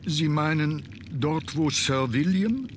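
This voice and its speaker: A man's voice: on the high side, lively intonation, takes it slowly, a little hiss or hum. A man playing a reserved, weary butler in an adventure game, formal, deferential and resigned. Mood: resigned, dismissive. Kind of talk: scripted adventure game dialogue.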